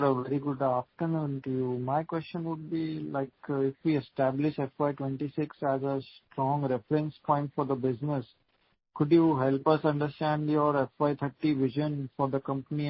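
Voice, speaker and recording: Guy reading out investor questions, very flat tone, formal, dull dry phone-in sound. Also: medium pitch, no echo. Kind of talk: prepared questions on an earnings call. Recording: dull, dry conference call line.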